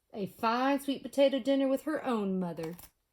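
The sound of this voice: A woman speaks at a moderate pace with lively intonation and a slightly mellow tone.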